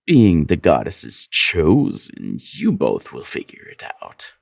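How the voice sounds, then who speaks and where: An actor playing a pompous, impatient royal priest who recites prophecy with haughty ceremony in a fantasy audio drama. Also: male voice, very deep voice, huge pitch swings, slow pace, gravelly, no room sound, clean studio sound, exaggerated voice. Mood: haughty, dismissive.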